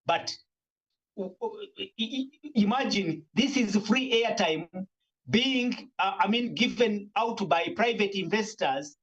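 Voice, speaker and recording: High-voiced man, earnest panelist. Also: lively intonation, slow, fairly bright tone, husky, lo-fi sound. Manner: earnest, argumentative, frequent restarts. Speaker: media manager and panelist. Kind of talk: panel discussion.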